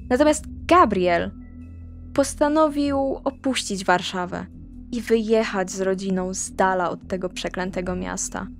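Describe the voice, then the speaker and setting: A woman recapping a tabletop game season in character, confiding and speaking straight to the listener. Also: on the high side.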